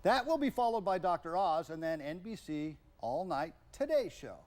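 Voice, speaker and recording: A man's voice: high voice, very animated, normal speed, darkish tone. An American man presenting the news as a television anchor.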